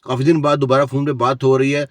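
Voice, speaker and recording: A man's voice: medium pitch, level tone, no room sound. A man telling a cautionary story in a preachy, lecturing way, asking the listener rhetorical questions. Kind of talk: moralizing storytelling.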